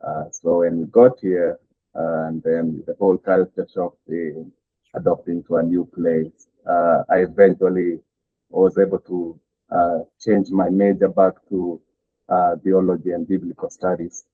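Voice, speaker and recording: A middle-aged pastor with a Kenyan accent, telling his story as a guest in a halting way full of "uh" fillers. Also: deep voice, level tone, husky, no echo. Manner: halting, many "uh" fillers, chuckles between thoughts. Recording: tinny phone-like call audio, dry.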